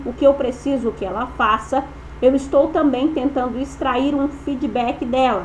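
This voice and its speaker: A woman with a high voice speaks at a fairly slow pace. Audible room echo and noticeable background noise fill the recording. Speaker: university lecturer. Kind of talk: recorded online lecture. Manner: hesitant with fillers.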